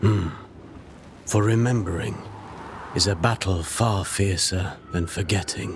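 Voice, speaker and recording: Casting: calm game sage, fairly low voice, unhurried and gently protective, noisy ambience behind. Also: male voice. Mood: reflective. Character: calm, wise male mentor, gently protective. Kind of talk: video game cutscene acting.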